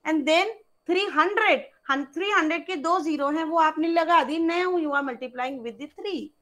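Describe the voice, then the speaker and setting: Female maths teacher, South Asian accent, high-pitched forceful voice, instructive and question-led. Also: very fast. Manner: instructive, prompting with short step-by-step questions. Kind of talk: interactive online class teaching.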